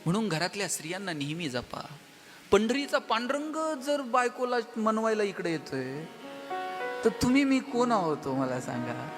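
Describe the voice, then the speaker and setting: A man giving an animated motivational stage speech, telling humorous stories and speaking straight to the audience. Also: sits high, normal speed. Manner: animated, addresses the audience directly. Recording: long hall reverb with faint music.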